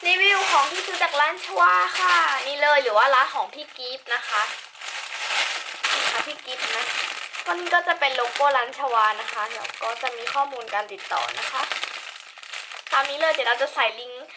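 A teenage girl with a high, light voice talks through an unboxing in a polite, chatty way, trailing off and restarting as she goes. The recording is noisy, with wrapping crinkling and clicks behind her. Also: normal speed. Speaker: unboxing vlogger. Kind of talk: casual product review. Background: crinkling packaging and clicks.

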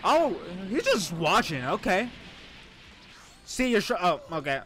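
A man doing excited, playful reaction commentary in casual slang, often exclaiming and shouting as a streamer. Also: high-pitched, a little slow. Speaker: VTuber streamer reacting to an animation. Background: music and video audio.

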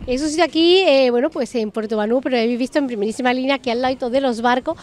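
Bubbly high-voiced woman reporter. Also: rapid-fire, darkish tone, slight background noise. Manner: upbeat, chatty, gushing. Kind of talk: on-location restaurant report. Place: seaside terrace and bright restaurant interior. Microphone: handheld reporter mic.

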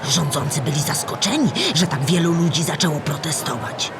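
An actress playing a storyteller who explains history to children in measured, articulate scripted narration. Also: female voice, low-pitched, over loud music. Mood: explanatory, measured. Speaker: narrator of a children's audio drama.

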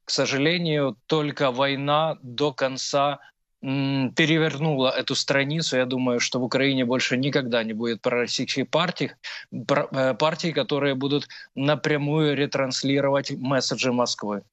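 A man in his thirties with a Ukrainian accent, speaking as an analyst guest on a live news broadcast over a video call, measured and full of hesitation sounds. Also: mid-range voice, steady tone, a bit bright, no room sound, highs cut off. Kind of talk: live TV interview commentary. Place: small room at home.

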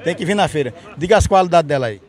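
A man's voice: a little high, lively intonation, fast talker, darkish tone. A man with a Northeastern Brazilian accent hosting a casual outdoor market vlog, chatting familiarly in short stock catchphrases. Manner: repeats stock catchphrases, addresses people familiarly. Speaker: host, market reporter. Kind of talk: casual on-location vlog commentary and interviewing. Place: outdoor dirt-lot livestock market with trucks.

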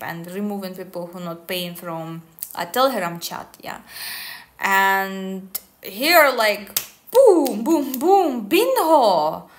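Slow-paced woman. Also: medium pitch, fairly bright tone. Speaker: online esoteric coach. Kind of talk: casual talk to camera. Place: small indoor room, seated at a table.

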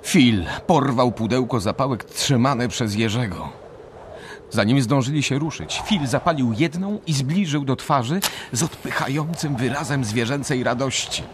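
A man narrating a dark story as a scripted radio drama. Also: medium pitch, normal speed, noisy background.

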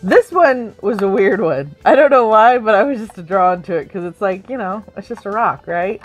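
A woman in her thirties, co-hosting a casual chat about toys in a room full of shelves, excitable and giggly. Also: medium pitch, normal speed, faint music behind. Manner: excitable, giggly, squeals when surprised. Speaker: co-host. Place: home collection room with shelves.

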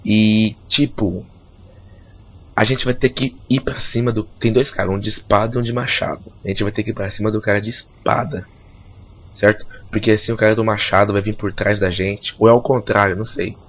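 With a steady, lowish voice at a moderate pace, a Brazilian gamer, Portuguese being his first language, casually narrates a let's play. His delivery is strained as if from swollen tonsils and an inflamed throat, and the recording is muffled.

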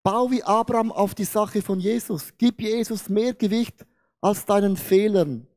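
A man preaches from a large church stage, speaking into a handheld mic. His voice sits fairly high for a man. He acts out the story, turning loud and then suddenly hushed. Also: a little slow. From Switzerland. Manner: animated storytelling, swings between loud and hushed. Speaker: pastor. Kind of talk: sermon with acted-out story.

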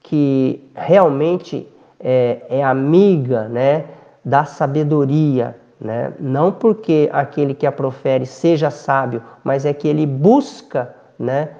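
A man giving a spiritist lecture, speaking slowly and reflectively, with frequent hesitant fillers between phrases. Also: a little high, creaky, dark tone, muffled recording.

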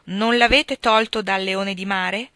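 A woman's voice: mid-range voice, fairly even intonation, slow, bright, forceful tone, no echo. A woman voicing a playful, teasing teenage boy in a storybook reading.

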